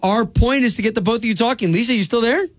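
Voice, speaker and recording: A man's voice: extremely high pitch, fast talker, no room sound. A male radio host in a studio, leading a call in a casual, chatty way. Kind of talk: morning radio banter.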